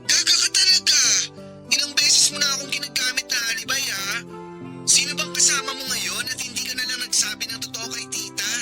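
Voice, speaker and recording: A sassy, campy gay best friend with a high, bright voice, teasing and scolding in quick bursts. Loud music plays behind him throughout this radio drama. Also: male voice. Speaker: Abby's best friend Anton. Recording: music playing loudly behind.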